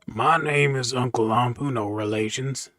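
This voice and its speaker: A man's voice: mid-range voice, normal speed, fairly bright tone, no echo, studio quality. A man giving casual, sarcastic game commentary as host of a gaming video. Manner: joking, sarcastic. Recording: game music behind the voice.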